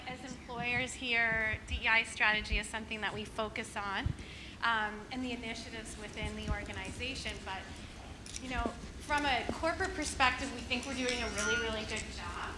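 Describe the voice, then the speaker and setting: A woman asks a panel a question, halting and circling back as she goes. Her voice carries a long hall reverb with noise beneath it. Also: on the high side. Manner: hesitant, repeats herself. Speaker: audience questioner. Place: conference hall.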